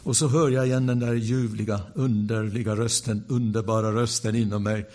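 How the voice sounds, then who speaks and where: A male preacher giving a sermon built around a personal story, animated in the telling with wry asides, and dropping to a hush for the quiet moments. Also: lowish voice.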